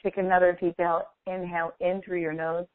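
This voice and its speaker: A woman leading a guided meditation as a coach, speaking in a slow, deliberate, instructive manner with long pauses. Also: on the low side, flat delivery, no room sound. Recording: phone-like thin, band-limited audio.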